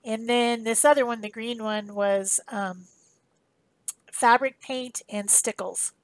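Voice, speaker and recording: A woman's voice: on the high side, fairly even intonation, takes it slowly, dry recording. A woman giving a casual, chatty voice-over for a craft demonstration, explaining informally as she goes. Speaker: craft tutorial host.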